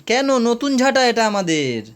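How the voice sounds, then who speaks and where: A woman's voice: on the high side, big pitch swings, moderate pace, a little hiss or hum. A young woman from West Bengal chatting playfully with a small child at home in a casual family vlog. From West Bengal, India. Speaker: family vlogger. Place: home indoors.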